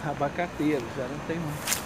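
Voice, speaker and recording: A Brazilian man with a fairly high voice tosses in short, offhand remarks during a walk. He is off-mic beside a phone camera. Traffic and street ambience are loud around him. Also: fairly even intonation, brisk. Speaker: vlogger's partner. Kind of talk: casual side remarks. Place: outdoors on a city street. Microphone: off-mic, away from the phone camera. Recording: distant voice, noisy outdoor phone recording. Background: street traffic and outdoor ambience.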